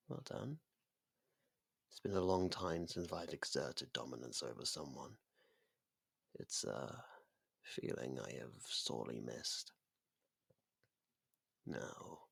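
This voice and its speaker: Male actor as ancient domineering vampire, low-pitched, breathy, seductive, deliberate, theatrical ASMR monologue, close dry sound. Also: fairly bright tone, no room sound, exaggerated voice. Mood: dominant, savoring. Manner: slow, deliberate, theatrical, often dropping to a whisper.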